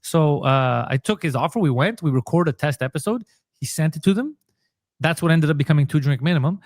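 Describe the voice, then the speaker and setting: A man's voice: a little high, animated, fairly quick, no room sound, studio quality. A comedian and podcaster from Montreal, a man, telling his story in a casual interview and acting out the dialogue he quotes. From Montreal, Canada.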